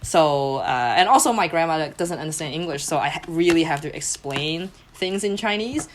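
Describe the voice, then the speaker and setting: A woman's voice: deep voice, animated, normal speed, a little hiss or hum. A young woman whose first language is Cantonese, a podcast guest chatting casually and laughing often mid-sentence. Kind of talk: casual chat.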